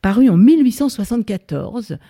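A woman's voice: fairly high pitch, lively intonation, fairly quick, dark tone. A woman hosting a panel debate, speaking with frequent fillers and restarts. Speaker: debate host. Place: library event venue.

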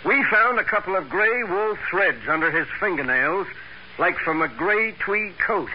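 Blunt, high-pitched radio cop, male. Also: expressive, a little slow. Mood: blunt, cocksure. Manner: blunt, emphatic, slangy. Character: blunt, cocksure male police officer. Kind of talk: 1940s radio drama acting. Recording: muffled, hissy old radio recording.

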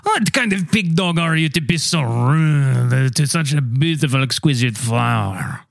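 A man's voice: on the high side, animated, gravelly, no echo, clean studio sound. A man playing a pompous French train waiter with a put-on French accent, drawling insults in an improv comedy scene. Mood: haughty. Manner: haughty, insulting, slow drawl.

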